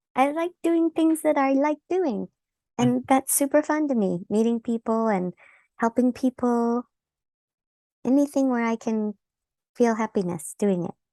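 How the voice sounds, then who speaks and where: With a quiet background, a woman talks at a fairly slow pace in a high pitch, using lively intonation and long, frequent pauses. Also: dry, close sound with no echo. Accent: American. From American. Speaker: voice actor. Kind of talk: interview answer. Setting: home or hotel room, remote interview.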